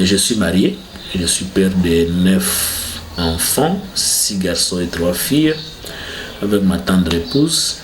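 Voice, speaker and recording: A man from South Kivu, Congo, with a Congolese French accent, speaking as a politician answering interview questions in a formal, measured way. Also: low-pitched. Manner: formal, measured self-presentation. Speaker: politician, guest. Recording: echoey room with faint noise.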